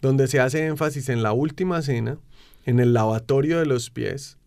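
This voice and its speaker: A man hosting a Catholic program, preaching with slow, emphatic build-ups and asking "right?" again and again. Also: mid-range voice, vocal fry, a little mellow. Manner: emphatic, slow build-ups, frequent rhetorical "¿cierto?" tags. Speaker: Catholic radio program host. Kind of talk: preaching explanation of faith.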